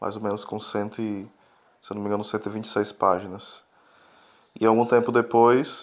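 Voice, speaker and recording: A man's fairly low voice in monotone, flat intonation, at a moderate pace. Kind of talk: reading aloud with commentary.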